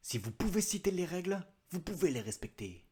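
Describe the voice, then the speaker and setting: A man talks through his favourite reads in a relaxed vlog, his voice sitting a little high for a man. He keeps it chatty and throws in self-mocking asides. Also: a little fast, breathy edge. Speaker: book vlogger. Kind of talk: casual book review vlog.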